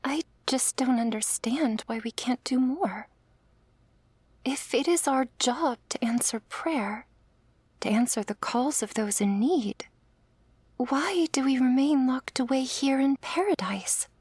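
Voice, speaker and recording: A woman playing a young female angel in training, earnest and hesitant, in a soft, breathy ASMR role-play. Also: sits high, takes it slowly, dry recording, full character voice. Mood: earnest, questioning.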